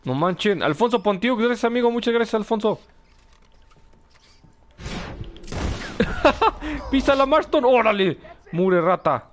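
A man's voice: high-pitched, animated, brisk. A young man with a Mexican accent, casually commentating a video game, reading chat messages aloud and laughing often. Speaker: gameplay streamer. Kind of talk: casual live gameplay commentary.

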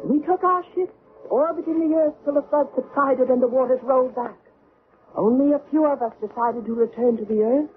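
A woman's voice: sits high, fairly quick, soft background music, close to an everyday voice. A woman acting in a 1970s radio drama as a solemn alien woman who recounts her people's ancient history. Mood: solemn, proud. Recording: tinny, noisy old radio drama recording.

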